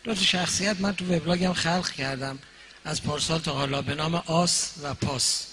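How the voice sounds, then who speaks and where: A man introducing his own satirical prose in a relaxed, soft-spoken way before reading it aloud. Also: fairly high pitch, a little hiss or hum. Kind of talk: live reading of comic prose.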